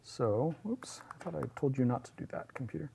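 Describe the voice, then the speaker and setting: Relaxed, chatty male lecturer. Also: medium pitch, a little fast, vocal fry, a little hiss or hum. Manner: relaxed, chatty, many fillers and asides. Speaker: linguistics lecturer. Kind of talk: university lecture. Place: large lecture hall.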